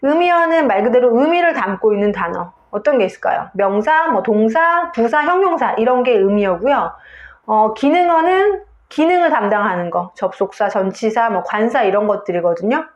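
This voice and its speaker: A woman's voice: a little high, expressive, moderate pace, echoey room, muffled recording. A woman English teacher giving a video lesson on pronunciation, explaining step by step and saying example words aloud.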